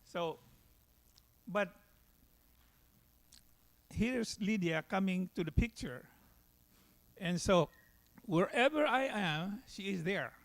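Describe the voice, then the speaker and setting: A man from the Philippines with a Filipino accent, giving a personal church testimony in a halting way. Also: high-pitched, expressive.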